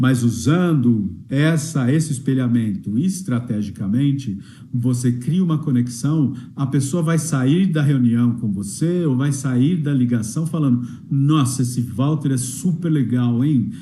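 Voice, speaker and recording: A man talks at a medium pitch and fairly slow pace, his loudness very even and his pitch variation ordinary. His tone is dark and mellow, and room echo is audible. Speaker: sales trainer. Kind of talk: webinar lecture.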